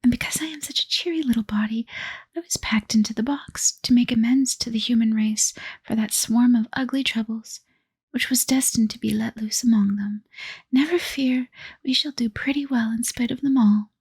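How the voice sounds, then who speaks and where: A bright, coaxing little fairy speaks in a hushed whispered role-play, voiced by a woman. The whisper is breathy and a little gravelly, set slightly high. The sound is dry and close. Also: normal speed, no room sound. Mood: tender. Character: cheerful winged fairy girl Hope, coaxing.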